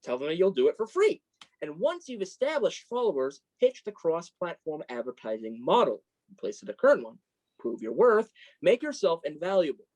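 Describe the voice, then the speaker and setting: A woman's voice: fairly low pitch, very animated, normal speed, a little mellow, poor audio. A woman playing a supportive, self-deprecating young male journalist and best friend in a staged reading of a play. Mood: urging.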